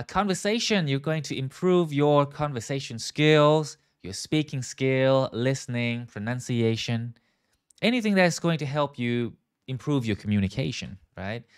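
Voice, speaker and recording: A man hosting a live online English lesson, speaking slowly and clearly with many fillers. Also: mid-range voice, expressive. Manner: switches between Thai and English, slow and clear with many fillers.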